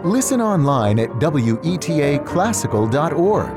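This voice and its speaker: A male station announcer delivers a promo with upbeat, lively inflection. His voice sits fairly high, and loud music plays behind him. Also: a little slow.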